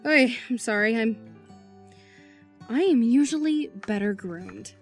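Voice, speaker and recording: An actress playing a flustered, rambling aide to a senator, talking to the police. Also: female voice, fairly high pitch, expressive, slow pace, faint music behind. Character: harried female political aide, chatty and evasive. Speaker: senator's deputy. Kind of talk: audio drama acting.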